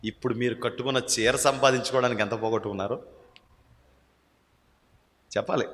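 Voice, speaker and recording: Bright-voiced preacher man in an echoey hall. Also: medium pitch, fairly even intonation, a little fast. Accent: Telugu. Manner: calls out questions to the congregation, urging loud answers. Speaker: pastor. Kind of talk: sermon. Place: church hall. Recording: echoey hall with long reverb.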